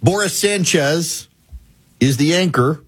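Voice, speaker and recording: A male talk host with a slightly raised voice and a husky edge. He is sarcastic and emphatic, and he repeats points for effect. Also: a little high, animated, takes it slowly. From Southern United States. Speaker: political talk show host. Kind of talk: opinionated political commentary.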